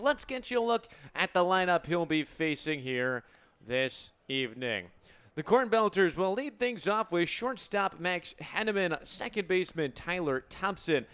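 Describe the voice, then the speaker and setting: Clear-voiced young American baseball announcer, man. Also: a little high, fairly bright tone. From Illinois, United States. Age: 20s. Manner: crisp, descriptive announcer delivery. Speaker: baseball play-by-play broadcaster. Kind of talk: live radio baseball commentary.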